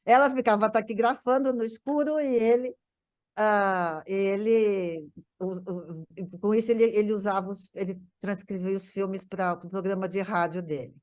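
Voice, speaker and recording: An older woman reminiscing in casual conversation, haltingly, often repeating words as she searches for phrasing. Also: medium pitch, steady tone, a little mellow. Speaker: guest recalling a parent's life.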